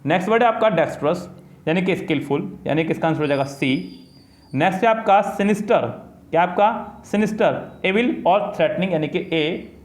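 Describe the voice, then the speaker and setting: A man teaching a vocabulary lesson in Hindi. He reads English passages slowly and says each word twice. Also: high-pitched. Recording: echoey room.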